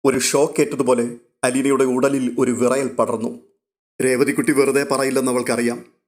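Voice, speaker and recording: A man giving steady, measured scripted narration of a serial story. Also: mid-range voice.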